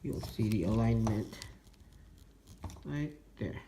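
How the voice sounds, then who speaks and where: Male toy reviewer, slow and gravelly, step-by-step demo; echoey, noisy room. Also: on the low side. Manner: slow, step-by-step instructional talk, muttering to himself. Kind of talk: hands-on toy transformation demo. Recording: echoey room with background noise.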